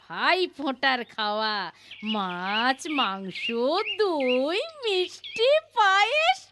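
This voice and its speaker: A woman's voice: sits high, sing-song, drawn-out words, full character voice. A woman voicing a feisty, firm village housewife in a cartoon, with an emphatic, scolding manner. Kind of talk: cartoon voice acting. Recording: noisy cartoon soundtrack.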